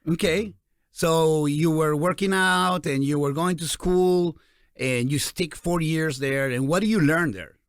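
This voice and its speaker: A man in his forties with a Peruvian Spanish accent, hosting a casual interview in an animated, encouraging way. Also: on the high side, unhurried, clear, resonant tone, no room sound, studio quality. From Peru. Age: 40s. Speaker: interview host.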